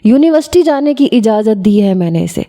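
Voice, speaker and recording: A strict father in an audio story scolds his family, as a woman reader puts him on. The voice is dark and mellow. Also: fairly high pitch, animated. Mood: stern.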